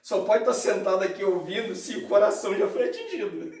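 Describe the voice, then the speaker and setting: Brief: high-voiced pastor, animated storyteller, distant hall echo. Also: male voice, brisk. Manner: animated storytelling preacher, addresses listeners as brother. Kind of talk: sermon. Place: church hall. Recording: echoey church, mic far off.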